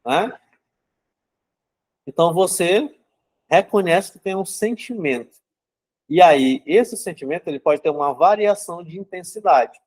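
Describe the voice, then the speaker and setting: Young man with a slightly high voice, explaining psychology in a relaxed, conversational way. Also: a little slow, pauses often. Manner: conversational, keeps asking "né?" and "certo?". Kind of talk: casual teaching talk.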